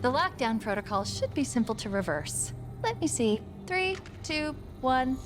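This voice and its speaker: A woman's voice: high voice, big pitch swings, measured pace, music in the background. A woman playing a confident, quippy young AI companion who briefs a soldier in a video game. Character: young female AI companion, bright, wry, confident.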